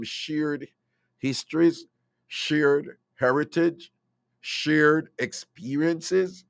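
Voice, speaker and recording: A man's voice: fairly high pitch, no echo, studio quality. A Jamaican man hosting a call-in radio talk show, opinionated and slipping into patois.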